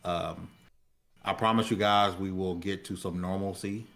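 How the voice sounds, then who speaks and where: Low-pitched, subdued grieving man. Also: fairly even intonation, creaky, fairly bright tone. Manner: halting, subdued. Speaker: show host. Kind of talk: heartfelt livestream address.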